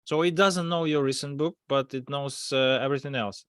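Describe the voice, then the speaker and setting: A man with a mid-pitched voice chats casually as a podcast co-host. His phrasing is hesitant and halting, and the sound is very dry. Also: steady tone, clean tone, dry recording.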